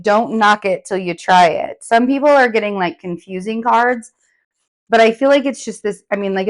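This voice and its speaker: Still getting over laryngitis, a tarot reader with a hoarse, medium-pitched voice gives a casual, chatty forecast, rambling and using many fillers.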